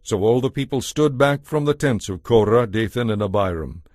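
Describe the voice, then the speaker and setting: A man narrating scripture from a script as a storyteller, in a measured, solemn way. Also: lowish voice, expressive, a little mellow, no echo, clean studio sound.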